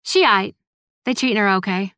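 A woman's voice: medium pitch, moderate pace, bright, forceful tone, clean tone, dry recording, clean studio sound, lightly acted. A woman voicing a brash, slangy young neighborhood woman who respects her elders, in an audiobook. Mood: respectful. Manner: slangy, casual.

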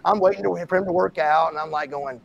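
A man's voice: a little high, fast, creaky, muffled recording. A middle-aged man hosting a podcast, telling stories in casual chat and acting out quotes. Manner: animated storyteller, acts out quotes. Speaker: podcast host.

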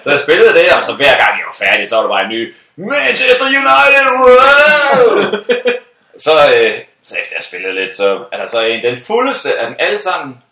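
Lively, bright-voiced man telling stories. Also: mid-range voice, hardly any pauses. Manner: lively, laughs often, acts out other people's voices. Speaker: hired musician telling a gig story. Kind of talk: casual storytelling. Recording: roomy sound from a distant mic.

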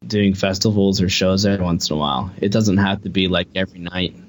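A man's voice: low-pitched, fairly even intonation, quick pace. Laid-back young man, filler-heavy chat. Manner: rambling, heavy use of filler "like". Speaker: guest musician. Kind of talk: casual podcast conversation.

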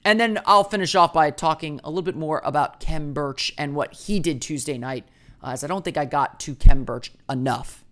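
A man's voice: normal speed, fairly bright tone. A man hosting a daily sports podcast, talking in a chatty, rambling way with asides. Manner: puts on a booming radio voice for the intro.

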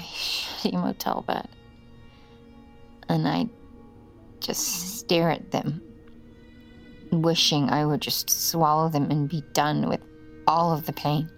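An actress playing a haunted, grieving middle-aged mother, speaking in a hushed, weary, half-whispered way in an audio drama. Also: sits low, vocal fry, exaggerated voice.

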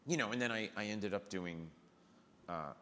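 A man who performs in musical theater, telling lively anecdotes in conversation and acting out the people he quotes. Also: fairly low pitch, normal speed, in a large hall. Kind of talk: storytelling in a conversation.

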